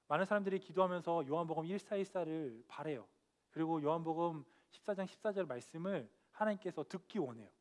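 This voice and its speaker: A young man with a high-pitched voice delivers a church sermon. He speaks earnestly and with emphasis, sinking to a quiet tone and then lifting again as he drives home each point. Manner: earnest, emphatic, dropping soft then rising on key points. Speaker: preacher. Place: church sanctuary.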